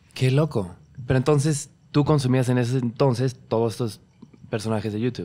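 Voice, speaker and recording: A man's dark, mellow tone at a fairly quick pace with ordinary pitch variation. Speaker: podcast host. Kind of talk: casual chat interview. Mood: relaxed, reflective. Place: home room. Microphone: studio mic.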